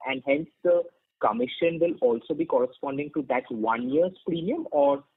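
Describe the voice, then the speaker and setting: A man with a husky, creaky voice, asking questions as an analyst on a conference call. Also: a little high, wildly swooping pitch, normal speed, narrow, tinny audio. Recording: thin phone connection.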